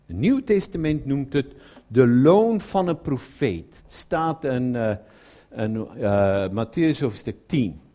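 A man preaching a sermon who retells a Bible story, drops to a low murmur for quoted lines and puts questions to his listeners. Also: big pitch swings, slow, warm tone.

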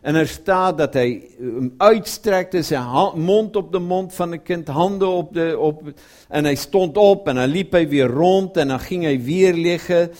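A man preaching a sermon who retells a Bible story, drops to a low murmur for quoted lines and puts questions to his listeners. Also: unhurried, a little mellow.

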